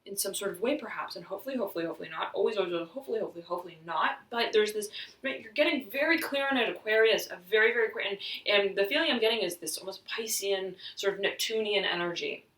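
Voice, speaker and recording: A woman giving an intuitive tarot reading, halting and searching as she talks, slightly hoarse, often saying "right" and "I'm hearing.". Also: mid-range voice, fairly bright tone, distant mic. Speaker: tarot reader. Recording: roomy echo, voice off-mic.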